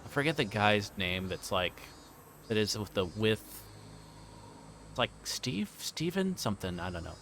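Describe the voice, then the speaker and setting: Here the streamer reads a visual novel's text aloud and drifts into rambling, joking talk with his audience. He speaks in a lowish, fairly bright, sing-song voice, a little slowly, with a little hiss or hum on the recording.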